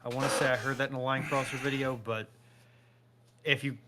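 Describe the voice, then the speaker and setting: A man explains technical detail casually, in a bright, crisp-edged voice that stays very level in pitch. He is measured and careful to qualify his claims. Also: little pitch movement, slight background noise. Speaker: panel guest.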